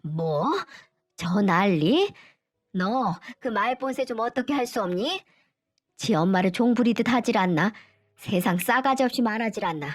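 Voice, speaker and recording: A woman voicing an older mother and grandmother who scolds her son in a sharp, indignant tone. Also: medium pitch, animated, unhurried, no echo, studio quality. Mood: scolding.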